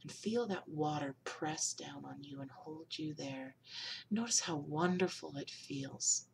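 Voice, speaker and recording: A woman leading a guided hypnosis session, speaking slowly and soothingly and often sinking into a whisper. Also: deep voice, gravelly, far from the mic, noisy background. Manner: slow, soothing, drifts into whispers.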